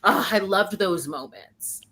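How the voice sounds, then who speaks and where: A woman's voice: medium pitch, expressive, takes it slowly, a bit bright. A woman chatting casually and effusively about books, rambling and peppering her talk with "like". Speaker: book discussion panelist. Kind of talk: casual chat, gushing about a novel.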